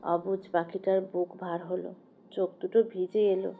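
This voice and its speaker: A woman narrating an audio novel in an expressive, dramatic, literary scripted style. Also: on the low side, normal speed, creaky, phone-quality sound, soft background music.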